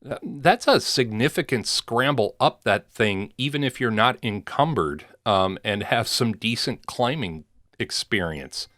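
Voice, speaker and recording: Average-pitched guy cohosting a podcast, just chatting, really close dry sound with no room. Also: expressive, a little slow, fairly bright tone, no room sound. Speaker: podcast co-host. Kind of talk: casual podcast chat.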